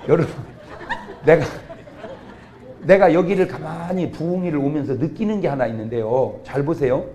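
A middle-aged man, a pastor, preaching a comic revival sermon, jumping from quiet asides to sudden shouts. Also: fairly high pitch, normal speed, a faint crowd. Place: church revival meeting.

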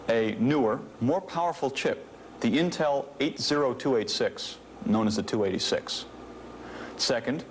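A man in his thirties giving a scripted, methodical training film presentation as an instructor on a vintage video soundtrack. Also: medium pitch. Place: indoor studio set with office equipment. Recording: faint noise, vintage 1980s video soundtrack.

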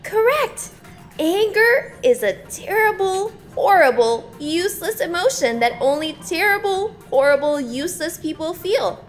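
A woman's voice: very high voice, big pitch swings, a little slow, faint music behind, heavily acted. A woman playing a saccharine, domineering group counselor in an audio drama, lecturing emphatically like a patronizing schoolteacher. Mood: patronizing, insistent.

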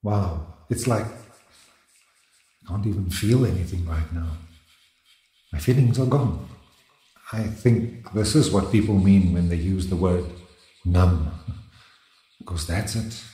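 A man's voice: sits low, takes it slowly, pauses often, mellow. An actor playing an anxious, guilt-ridden gay boyfriend in a radio drama, switching between forced casualness and fretful inner monologue. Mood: numb regret. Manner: swings between forced casual cheer and fretful self-talk. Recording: roomy radio drama with faint music.

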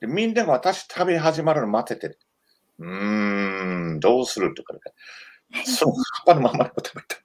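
An American man whose first language is English, co-hosting a casual live-stream chat in halting, non-native Japanese with frequent restarts. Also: fairly high pitch, very animated, slightly rough. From United States. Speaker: co-host, history researcher.

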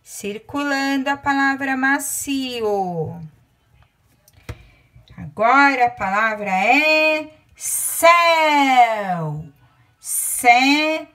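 A Brazilian woman teacher with a Brazilian Portuguese accent dictates words to young children, counting aloud and slowly stretching out each word. Her voice sits high and sounds animated, pushed, and bright.

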